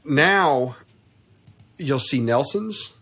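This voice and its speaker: A man's voice: mid-range voice, expressive, extremely slow, a bit bright, slightly rough. Easygoing man hosting a podcast chat. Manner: easygoing, conversational, with frequent "you know". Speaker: podcast host and shop owner.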